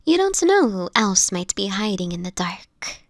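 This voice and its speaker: A woman playing a gentle, world-weary, sickly homeless vampire in an audio roleplay, speaking softly and breathily in slightly old-fashioned phrases, close to the listener. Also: medium pitch, big pitch swings, unhurried, no room sound. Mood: grave warning. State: sickly, frail, with coughs.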